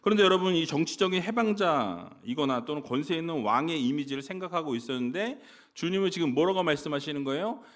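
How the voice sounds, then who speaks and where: 억양이 풍부하고 음높이가 약간 높은 남자 목사가 설교한다. 회중에게 자주 질문을 던지고 "예"라는 말로 흐름을 이어 간다. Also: male voice, high-pitched, a bit bright. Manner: asks the congregation questions, fillers like "예". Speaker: pastor. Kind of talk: sermon.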